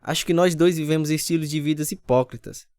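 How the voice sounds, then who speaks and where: This man's voice is on the high side, brisk and a little mellow, natural, with a clean tone and no room sound. In his 30s, he narrates and leads a scripted first-person radio drama over acoustic guitar music, playing a repentant husband telling his conversion story in an earnest, confessional manner.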